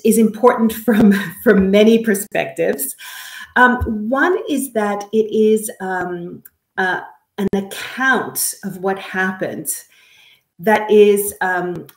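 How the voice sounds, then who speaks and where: Woman from canada, interview guest, explains stuff in a careful measured way, roomy echoey sound. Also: mid-range voice. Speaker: guest, election expert.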